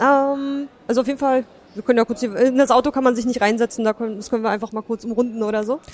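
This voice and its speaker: A woman's high-pitched voice at a very fast pace, fairly even in intonation, with noticeable background noise. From northern East Germany. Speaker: podcast host. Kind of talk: casual chat. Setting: walking around a museum.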